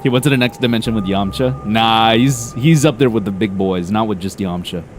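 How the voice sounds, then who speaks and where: A man's voice: lowish voice, brisk, faint music behind. A man giving casual commentary while streaming a game, laughing, swearing and reading on-screen text aloud.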